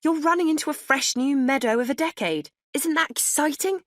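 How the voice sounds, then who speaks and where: A woman's voice: sits high, fairly quick, a bit bright, no echo, clean studio sound, voice pushed up. A woman voicing an encouraging young female friend in an audiobook, giving an earnest pep talk.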